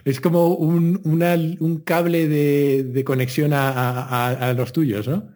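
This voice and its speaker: A man hosting a podcast interview, asking reflective questions in a relaxed, chatty way. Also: fairly high pitch, takes it slowly. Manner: reflective, thoughtful questions, laughs along. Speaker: podcast host. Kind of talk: casual interview chat.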